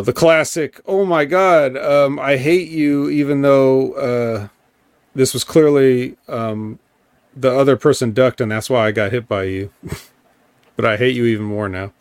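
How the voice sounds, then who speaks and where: A man hosting a casual podcast, recapping wrestling at an unhurried pace. He rambles and drops sarcastic asides, with plenty of ums. His voice is close and dry, with no room sound around it. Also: medium pitch, clear, resonant tone, dry recording. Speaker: podcast host.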